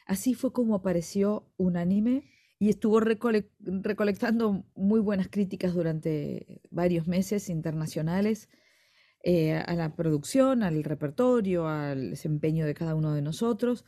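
A middle-aged Argentine woman with an Argentine accent, a guest singer answering interview questions in a measured, explanatory way with soft fillers. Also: lowish voice. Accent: Argentine Spanish.

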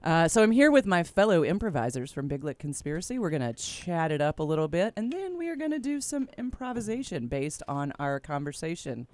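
A woman's voice: a little fast, few pauses, no room sound. A woman hosting an improv podcast, chatting casually and playfully. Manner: chatty and playful, lively pitch. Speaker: podcast host.

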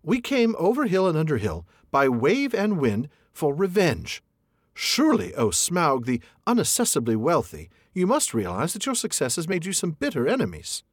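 A man voicing a small, nervous male hobbit with a high, squeaky, flattering voice. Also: moderate pace, slightly rough, no echo, studio quality, exaggerated voice. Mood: earnest.

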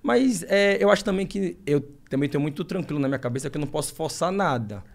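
A young man from Brazil, a guest in an interview, telling a personal story in an emotional, halting way with many restarts. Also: a little high, expressive, vocal fry.

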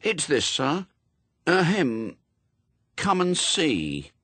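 A man's voice: on the high side, wildly swooping pitch, very slow, a bit bright, no room sound, pitched above the performer's own voice, exaggerated voice. A man playing a flustered, stammering delivery man. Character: flustered dead male delivery man, dutiful.

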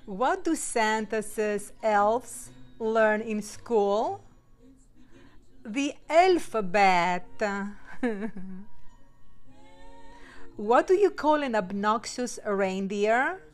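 A woman hosting a casual holiday podcast in English, which is not her first language, talking in a relaxed way with fillers and small laughs. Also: fairly high pitch, drawn-out words, long pauses. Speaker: podcast host. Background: soft Christmas music.

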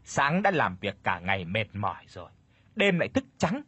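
A man narrating a ghost story in a dramatic, expressive storytelling manner. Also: lowish voice, moderate pace, husky, dry recording.

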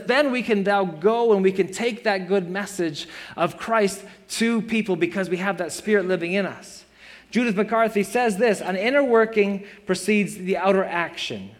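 A man in his forties preaching a sermon in a church, earnest and conversational, with playful self-mocking asides. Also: high-pitched. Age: 40s. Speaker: pastor.

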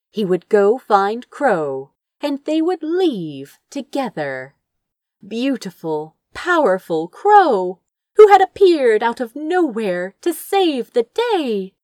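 A woman narrates a story in an expressive, theatrical style. Her pitch swings widely from phrase to phrase, and she takes her time with deliberate phrasing. The sound is dry, with very little room in it. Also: dry recording. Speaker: audiobook reader of fan fiction. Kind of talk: expressive dramatic scripted narration.

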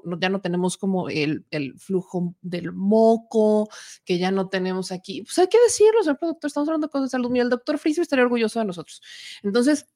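A woman's voice: mid-range voice, a little mellow. Chatty Mexican woman hosting a talk show. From Puebla, Mexico. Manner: chatty and joking, with asides to the producer. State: lingering cough from allergies. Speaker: political commentary host. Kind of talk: casual political talk show.

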